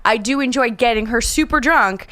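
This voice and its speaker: A woman's voice: a little high, normal speed, a bit bright, no echo. A woman co-hosting a podcast, chatting casually with bubbly, crude jokes and frequent laughter. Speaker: podcast co-host. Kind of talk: casual comedic chat.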